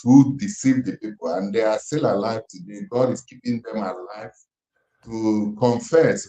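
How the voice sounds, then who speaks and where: A deep-voiced Nigerian man in his fifties talks over an echoey phone line. He speaks slowly and gravely, leaning on each phrase as if preaching. The call sounds roomy and hollow. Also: a little mellow. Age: 50s. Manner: slow, emphatic, grave. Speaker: interviewer on a call. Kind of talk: impassioned questioning, near-sermon.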